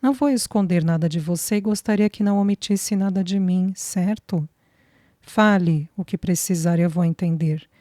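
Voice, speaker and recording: A woman reading a gentle man in love. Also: fairly low pitch, normal speed, dry recording, studio quality, close to an everyday voice. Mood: reassuring. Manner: soft, earnest, reassuring. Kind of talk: audiobook dialogue reading.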